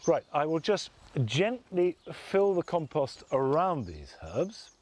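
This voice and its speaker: A man presenting a gardening show outdoors in a garden, talking gently and with measured enthusiasm. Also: a little high, very animated. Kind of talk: relaxed instructional garden presenting.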